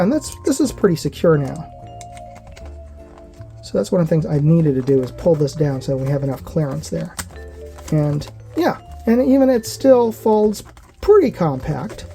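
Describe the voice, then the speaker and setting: A man with a slightly high voice talks through a product review in a casual, explanatory way. He speaks like an independent channel host showing gear hands-on, with some music behind him. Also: gravelly, dark tone.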